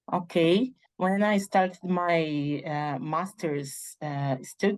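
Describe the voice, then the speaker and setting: Against a quiet background, the speaker talks at a very slow pace with a Brazilian Portuguese accent and ordinary pitch variation. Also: woman. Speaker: university dean and researcher. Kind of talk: interview conversation. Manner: halting.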